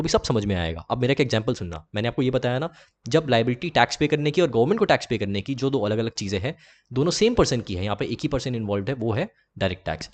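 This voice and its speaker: Fast-talking male teacher. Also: mid-range voice. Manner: chatty, playfully addresses students, acts out both sides of examples. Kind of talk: lecture.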